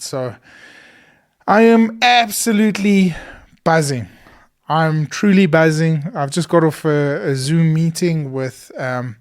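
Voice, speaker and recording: A man talks through a solo podcast episode in a small studio. His voice is hoarse and a little high for a man. He sounds earnest and keen, with plenty of fillers between his thoughts. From South Africa. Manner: earnest and enthusiastic, many fillers. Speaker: podcast host.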